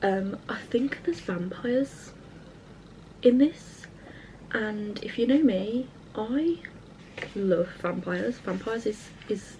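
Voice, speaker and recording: Quiet and very slow, a woman speaks at a fairly high pitch with lively intonation and long, frequent pauses over noticeable background noise. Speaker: booktuber. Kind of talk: reading vlog talk to camera. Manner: speaking quietly.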